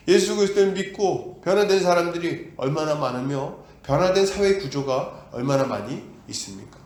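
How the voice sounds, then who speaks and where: A high-pitched pastor's emphatic sermon rings around the roomy church. He questions the congregation rhetorically and voices the doubters as well as God.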